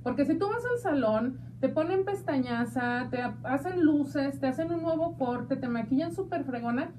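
A woman with a Mexican accent hosting a talk show, chatty and playful, speaking warmly to her listeners. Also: high voice, normal speed, recorded from a distance, a little hiss or hum. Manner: chatty and playful, calls listeners "hija de mi vida". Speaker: radio show host. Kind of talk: casual talk show chat.

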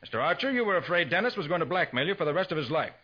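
A man acting a confident master detective in a 1940s radio crime drama, brisk, deliberate and authoritative. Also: a little high, sing-song, slightly rough. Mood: commanding, triumphant. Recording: dull vintage 1940s radio recording.

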